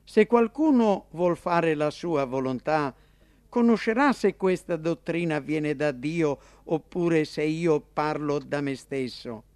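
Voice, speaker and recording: An earnest, impassioned male preacher-teacher, read aloud by a man, declaims in a raised, ringing voice, slowly drawing out and stressing every phrase. The voice is on the high side, expressive and darkish, and the recording is close and completely dry.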